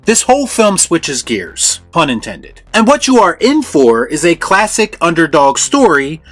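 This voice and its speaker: A man delivers scripted review commentary as a host. His voice sits a little high for a man, with light music playing underneath. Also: wildly swooping pitch, unhurried, a bit bright. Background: background music.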